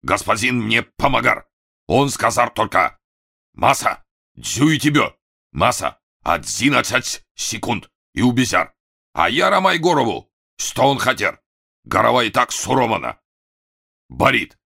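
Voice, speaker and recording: A man's voice: medium pitch, sing-song, measured pace, creaky, bright, forceful tone, pitched above the performer's own voice, exaggerated voice. A man voicing a comic, proud Japanese male servant with a heavy Japanese accent, swapping l for r. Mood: indignant. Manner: swaps l for r, lisping syllables.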